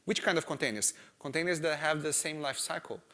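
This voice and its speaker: A man in his thirties with a Brazilian Portuguese accent, speaking English as a second language. His voice sits slightly high. He runs a conference breakout talk on stage through a close mic, animated and full of "uh" and "right?". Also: fairly quick. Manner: animated, gestures a lot, frequent "right?" and "uh" fillers. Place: large conference hall stage.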